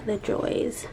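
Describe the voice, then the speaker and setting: A woman's voice: warm tone, rough recording. A woman vlogging in a casual, chatty, informal way, peppering her talk with "like". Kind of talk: casual chat to camera. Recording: clear background noise.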